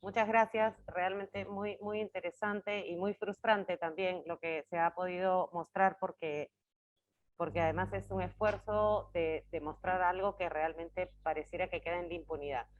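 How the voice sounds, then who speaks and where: A woman's voice: on the low side, steady tone, normal speed. A woman moderates a conference, speaking spontaneously and often repeating or rephrasing her words as she introduces and guides presenters. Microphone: video call. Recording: slightly dull online call.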